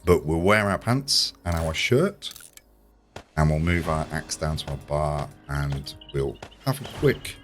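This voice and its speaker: Very low male voice, slightly croaky, casual gaming commentary, chatty and enthusiastic, clear background noise with clicks. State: slightly croaky from a sore throat. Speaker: let's play host. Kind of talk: casual video game commentary.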